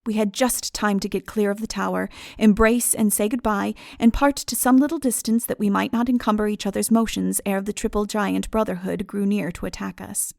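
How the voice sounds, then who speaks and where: Female narrator for classic fiction: measured, formal delivery, middle-pitched voice with gravelly fry, very dry sound. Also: steady tone, a little mellow, dry recording. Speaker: audiobook narrator. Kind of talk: dramatic literary audiobook reading.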